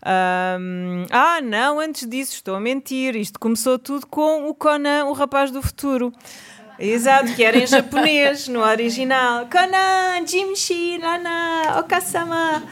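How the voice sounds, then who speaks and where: A woman's voice: high-pitched, moderate pace, fairly bright tone. A woman with a European Portuguese accent, talking to an audience in a chatty, self-mocking way with many fillers. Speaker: speaker telling her story to an audience. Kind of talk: live talk to an audience.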